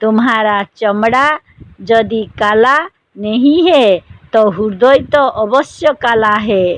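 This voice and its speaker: A woman with a normal speaking voice talks at a fairly high pitch with ordinary pitch variation and very even loudness. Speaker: spiritual discourse reader. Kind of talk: spiritual discourse reading.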